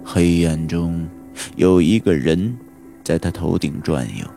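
A man narrating a horror audiobook in a slow, suspenseful storytelling manner. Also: deep voice, fairly even intonation, creaky, dark tone. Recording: audiobook with background music.

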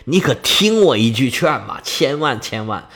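A man voicing a fretful old queen, a grieving mother who scolds and pleads in a shrill voice. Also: very animated, moderate pace, a bit bright. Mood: pleading.

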